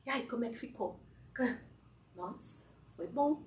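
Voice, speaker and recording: High-voiced woman in an echoey hall. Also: expressive, a little slow, a little mellow, a little hiss or hum. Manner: chatty, often asks the audience "né?". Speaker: guest speaker at a spiritist fellowship. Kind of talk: informal spiritual talk to an audience. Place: lecture hall with a live audience. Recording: echoey hall, mic at a distance.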